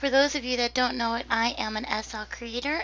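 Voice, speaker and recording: Over noticeable background noise, a woman with a fairly high voice speaks with ordinary pitch variation. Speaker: 3D modeling tutor and virtual world creator. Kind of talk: software tutorial. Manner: hesitant with many fillers.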